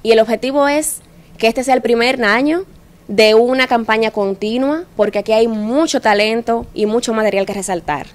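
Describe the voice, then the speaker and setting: Casting: Dominican Caribbean-accented woman, higher-pitched, articulate campaign spokesperson on a studio show. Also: moderate pace. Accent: Dominican Caribbean Spanish. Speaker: studio guest presenting an anniversary campaign. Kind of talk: articulate interview talk. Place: indoor TV studio. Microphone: handheld microphone.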